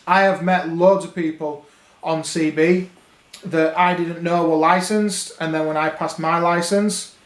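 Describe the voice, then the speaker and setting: A British man talking casually to viewers, explaining things as a radio hobby vlogger. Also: on the high side. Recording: roomy, echoing indoor sound.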